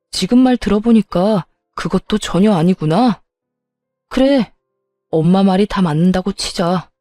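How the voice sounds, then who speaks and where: A woman's voice: medium pitch, mellow, dry recording, close to an everyday voice. A woman reading the lines of an exasperated adult son confronting his mother, in a raised voice.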